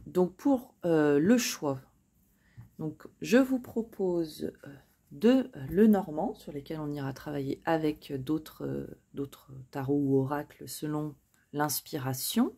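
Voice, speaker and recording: A woman's voice: low-pitched, slow pace, gravelly, warm tone, breathy edge. A woman chatting casually as she lays out tarot cards for her viewers, hesitating often and joking at her own expense. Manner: chatty, hesitant with frequent fillers, self-joking. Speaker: tarot card reader. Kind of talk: casual spoken card reading.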